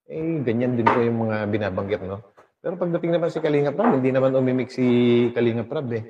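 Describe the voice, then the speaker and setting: A man's voice: mid-range voice, fast talker, muffled recording, very noisy. A man hosting a casual gossip vlog, reading posts aloud and laughing often.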